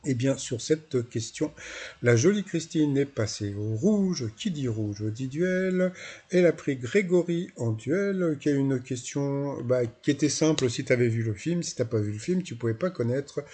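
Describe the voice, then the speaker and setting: A man's voice: medium pitch, expressive, unhurried, dark tone, slightly rough. A man with a Marseille accent hosting his channel, recapping a game show in a rambling, hesitant way with mocking asides. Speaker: YouTube channel host.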